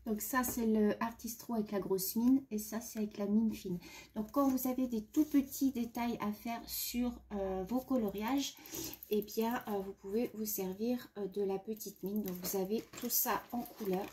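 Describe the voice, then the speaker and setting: A woman's voice: mid-range voice, fairly even intonation, normal speed, darkish tone, slight background noise. A woman vlogger chatting casually about art supplies, sniffling from a runny nose and hesitating often. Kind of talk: casual chat.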